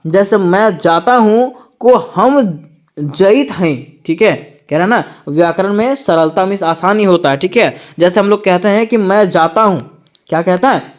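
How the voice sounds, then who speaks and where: A tutor giving an exam-prep lecture, asking rhetorical questions and answering them, repeating each point twice. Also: medium pitch.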